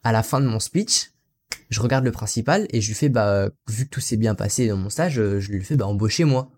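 A young man from France chats through his story in a somewhat low voice. He rambles in a casual way, stacking up fillers as he goes. He talks like a teacher being interviewed about his path into the job. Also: lively intonation, brisk, a little mellow. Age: young adult. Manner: chatty, rambling, keeps tossing in "you know" and "so".

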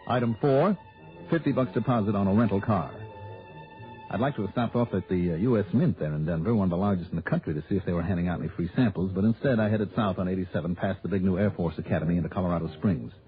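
A man's voice: low-pitched, fast talker, faint music behind, close to an everyday voice. An actor playing a wry, skeptical male insurance investigator who also narrates in first person, in 1960s radio drama style. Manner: dry, wisecracking, skeptical. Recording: tinny old radio broadcast.

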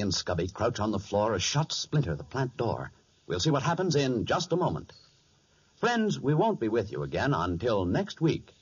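A man's voice: fairly low pitch, husky. A man announcing and narrating in a formal, emphatic 1940s radio style. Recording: muffled 1940s radio recording.

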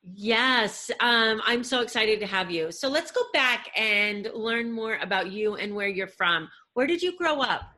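A woman's voice: a little high, lively intonation, unhurried, few pauses, pushed and bright. A woman hosting a podcast interview, upbeat and encouraging with her guest. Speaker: podcast host.

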